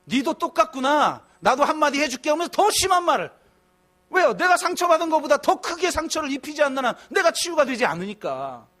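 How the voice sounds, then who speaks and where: A middle-aged man preaching a Sunday sermon in a church, talking conversationally, dropping to soft musing and rising to loud emphatic bursts. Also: very high voice. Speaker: pastor. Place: church sanctuary.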